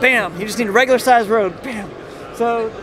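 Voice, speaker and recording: With noticeable background noise but a dry sound with no echo, a man speaks fairly quickly at an extremely high pitch and fairly even intonation. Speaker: company rep demonstrating product. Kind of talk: product demo interview. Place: hall. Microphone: handheld.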